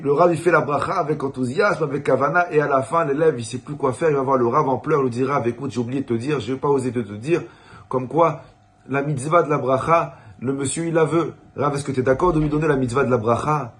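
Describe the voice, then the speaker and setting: A man, a rabbi, giving a weekly Torah talk that moves from storytelling into earnest exhortation. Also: medium pitch.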